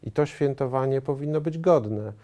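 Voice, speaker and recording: A man in his thirties, a studio guest answering interview questions in a measured way, with frequent hesitations and restarts. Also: medium pitch, dark tone. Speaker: studio guest, member of parliament. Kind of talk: political TV interview. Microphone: lapel mic.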